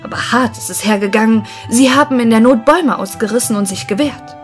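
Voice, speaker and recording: A woman's voice: on the high side, fairly quick, faint music behind, close to an everyday voice. A woman voicing a cheeky, boastful little male tailor in a fairy-tale audiobook, sounding sure of himself. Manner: boastful, self-assured.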